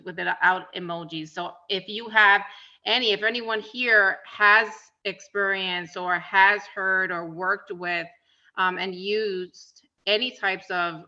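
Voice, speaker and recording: A woman co-trainer speaking in an online training session, halting and hesitant with many repeats and "um"s. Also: on the low side, pushed and bright, muffled recording.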